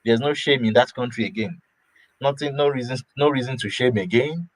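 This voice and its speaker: A man's voice: mid-range voice, a little fast, dry recording, poor audio. A man from Nigeria talking casually, often repeating and restarting words and breaking into small laughs. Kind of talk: casual opinion talk.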